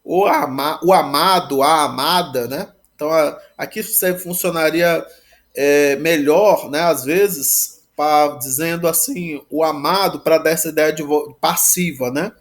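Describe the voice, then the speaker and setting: A man teaching a Greek grammar lesson, talking haltingly with many restarts and a constant "né?" after each phrase. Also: a little high. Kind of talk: live online grammar lesson.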